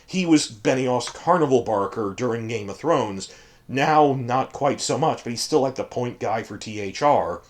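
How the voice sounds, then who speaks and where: A man with a hoarse voice from a cold delivers a long, digressive monologue as a fandom commentator. His pitch sits in the middle of the usual range, and he talks with an emphatic, scornful edge. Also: lively intonation, moderate pace. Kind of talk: ranting commentary.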